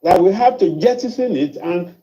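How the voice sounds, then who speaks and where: A man from Nigeria speaking in an interview clip, arguing deliberately with some hesitations. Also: sits high, lively intonation, warm tone. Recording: dull lo-fi archive clip.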